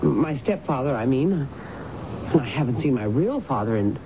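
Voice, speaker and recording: An anxious wife on noisy old radio. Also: female voice, extremely low pitch, expressive, unhurried, dull audio, exaggerated voice. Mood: uneasy, hesitant. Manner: hesitant, faltering. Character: anxious, reluctant wife estranged from her father. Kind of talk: radio drama acting.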